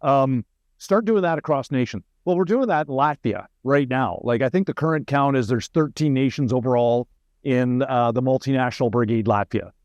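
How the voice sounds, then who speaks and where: A middle-aged senior military officer with a Canadian accent speaks informally as an interview guest, explaining things through anecdotes and wry asides. His medium-pitched, slightly mellow voice moves at a moderate pace, and the recording is muffled but free of echo.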